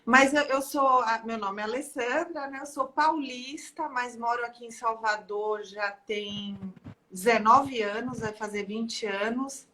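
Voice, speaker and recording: A woman's voice: on the high side, unhurried, pushed and bright. A woman from São Paulo with a Paulista accent, a guest telling her story in an earnest, casual way. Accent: Brazilian Portuguese, São Paulo. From São Paulo, Brazil. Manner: earnest, repeats words when starting. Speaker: guest, marathon swimmer.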